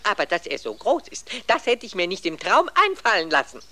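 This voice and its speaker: Timid, fussy drone bee, bright and swinging in pitch, scolds and frets. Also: female voice, wildly swooping pitch, fairly quick, slight background noise. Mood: fretful. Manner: fretful, scolding, chatty. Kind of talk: cartoon voice acting.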